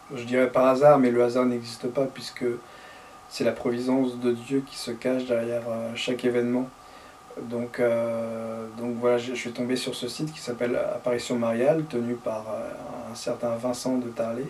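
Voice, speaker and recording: Over light background noise, a man talks at a moderate pace in a monotone, flat intonation, with long, frequent pauses. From France. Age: 30s. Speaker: YouTuber and independent journalist. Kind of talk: personal testimony monologue. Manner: halting, many hesitations and repetitions. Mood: earnest, calm. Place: home room. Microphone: camera far.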